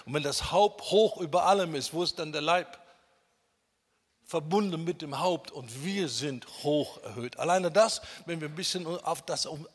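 A man preaching a sermon emphatically, asking rhetorical questions and swinging between loud and quiet. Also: fairly high pitch, slightly rough. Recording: long hall reverb.

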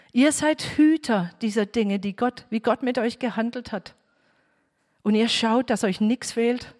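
A woman's voice: fairly high pitch, long reverb tail. A woman teaching a home bible group, speaking earnestly and addressing her listeners directly.

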